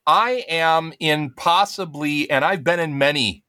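A man's voice: on the high side, a little slow, sharp tone, smooth, dry recording. A man co-hosting a casual comedy podcast, telling rambling self-mocking stories. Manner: rambling storyteller, self-deprecating. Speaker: podcast co-host.

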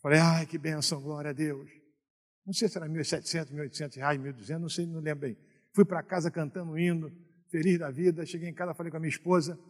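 A middle-aged Brazilian man preaching a sermon as a pastor, telling stories and moving from quiet asides to loud exhortation. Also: on the high side, steady tone, racing, in a large hall. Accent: Brazilian Portuguese.

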